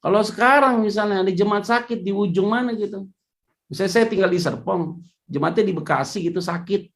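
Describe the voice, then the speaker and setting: A male pastor preaching a lively sermon, acting out the voices of church members and people he quotes. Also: high voice, fairly quick. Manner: animated, acts out voices of congregants and quotes.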